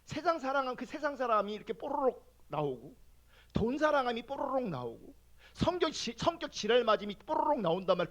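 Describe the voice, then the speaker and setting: A man preaching in a strikingly high voice that swings widely in pitch. He tells his own story from the pulpit and acts out his prayers in a lively way. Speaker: pastor. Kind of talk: sermon with personal testimony.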